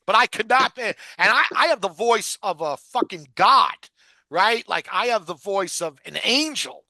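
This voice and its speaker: A man's voice: high voice, expressive, moderate pace, creaky, pushed and bright, dry recording. A man hosting a casual podcast, talking in loose, profane rambles full of fillers. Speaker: podcast host. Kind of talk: casual rewatch podcast chat.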